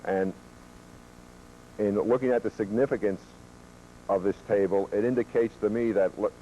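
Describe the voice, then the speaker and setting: A man who is a police officer giving a training lecture, presenting statistics in a measured way with occasional fillers, heard from a worn VHS tape copy. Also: on the low side, fairly even intonation, warm tone, dull audio. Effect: worn VHS tape copy with hum.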